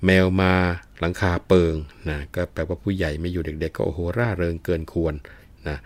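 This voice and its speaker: Male storyteller, deep voice, relaxed chat with listeners, dry recording. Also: a little fast, dry recording. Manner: leisurely, chatty, addresses listeners. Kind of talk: storytelling with idiom explanations.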